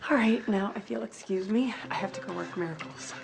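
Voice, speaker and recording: Businesslike wedding planner for a female actor, romantic comedy film: brisk, firm, medium register, prominent score. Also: mid-range voice, gravelly, over music, lightly acted. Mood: politely firm.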